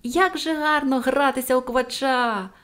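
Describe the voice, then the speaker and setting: A woman's voice: on the high side, expressive, moderate pace, lightly acted. A woman voicing a cheerful, cheeky little girl in an audiobook, with playful, exclaiming lines. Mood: gleeful. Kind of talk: audiobook character voice.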